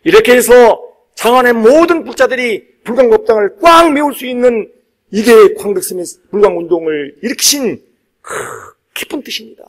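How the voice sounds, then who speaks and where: High-pitched man preaching an emphatic Buddhist sermon. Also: animated, normal speed. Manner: emphatic, repeats key phrases for stress. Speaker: Buddhist monk giving a dharma talk.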